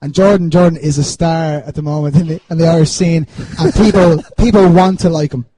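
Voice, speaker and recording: A male guest with a fairly high voice, recorded with faint noise behind him. He tells his story casually, stopping and starting, with a teasing edge. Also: fairly even intonation, a little fast. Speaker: wrestler, podcast guest. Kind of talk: casual anecdote telling.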